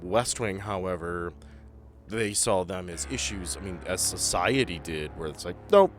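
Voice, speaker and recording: A man with a very low, deep voice guides players through a creepy tabletop adventure, building dread with measured pauses. Soft music plays faintly beneath him. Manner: descriptive, builds tension with pauses. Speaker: game master. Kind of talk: narrating a tabletop horror game.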